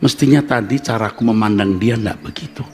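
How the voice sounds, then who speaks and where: A male pastor preaching a live sermon to a congregation, swinging between hushed asides and loud emphatic bursts and joking with the listeners. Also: fairly low pitch, brisk, faint music behind. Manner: jokes with and teases the congregation. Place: church service with live congregation.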